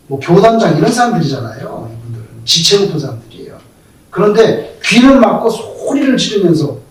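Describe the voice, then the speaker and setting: A male pastor preaching a sermon, telling stories in an animated way and acting out the quoted speech of the people in them. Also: sits high. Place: church sanctuary. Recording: very echoey hall, voice from far off.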